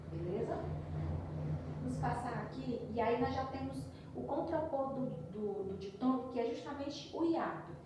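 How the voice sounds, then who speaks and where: A woman's voice: on the high side, background noise. A woman teacher giving a patient recorded review lesson, explaining step by step and checking in with frequent tags. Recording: roomy echo from a distance.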